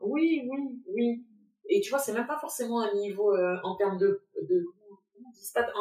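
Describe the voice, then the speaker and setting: The pitch swings very widely throughout. The delivery is fairly slow, broken by long, frequent pauses. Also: woman, fairly high pitch for a woman. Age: 30s. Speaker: podcast host interviewing her mother. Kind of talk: intimate family conversation. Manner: halting, many fillers.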